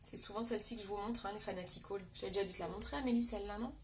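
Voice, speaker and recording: A woman's voice: mid-range voice, very fast, slight background noise. A young French woman with a French accent, chatting with viewers as she hosts a live makeup tutorial. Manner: chatty, talks to viewers and reads comments. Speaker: makeup livestream host.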